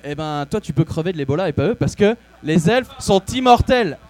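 High-voiced man doing crude comic monologue. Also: animated, brisk, a little mellow. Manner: crude, rambling, mock-serious. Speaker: comedy host.

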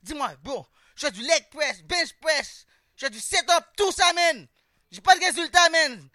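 A Québécois-accented comedian works a live audience from the stage, using street slang, tossing "man" into each line, and quizzing people. His extremely high-pitched voice is animated, pushed, and bright at a slightly slow pace, with studio quality and no room sound.

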